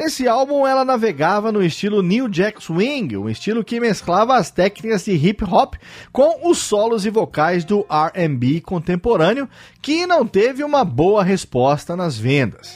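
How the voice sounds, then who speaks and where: Very wide pitch swings at a fairly slow pace. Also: man, high pitch for a man. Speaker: podcast host. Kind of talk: scripted narration.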